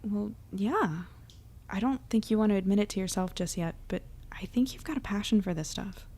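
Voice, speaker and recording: A woman playing a guilt-ridden but supportive and determined young hero in audio drama dialogue, speaking softly and earnestly. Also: mid-range voice, moderate pace, lightly acted. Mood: gentle, encouraging.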